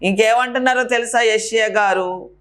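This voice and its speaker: Woman preacher, Telugu accent, bright voice, emphatic and repetitive, sermon delivery. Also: a little high, moderate pace. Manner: emphatic, repetitive, acting out prayers.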